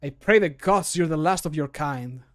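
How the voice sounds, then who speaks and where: A man's voice: a little high, moderate pace, close to an everyday voice. Grim, disdainful fantasy adventurer, played by a man. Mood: grim contempt. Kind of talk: video game voice-line acting.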